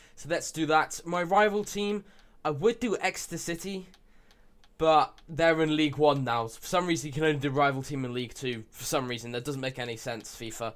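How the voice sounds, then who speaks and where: A man's fairly high voice with an English accent, lively intonation, big swings in loudness and a fairly quick pace. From England. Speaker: gaming youtuber. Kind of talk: gameplay commentary. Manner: casual.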